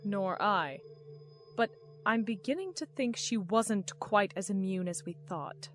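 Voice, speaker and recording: Female commander played by an actress, audio drama: enigmatic, controlled, condescending, medium pitch, quiet score underneath. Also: unhurried, soft background music, lightly acted. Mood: cool, knowing. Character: cool, secretive woman in command, knowing and condescending.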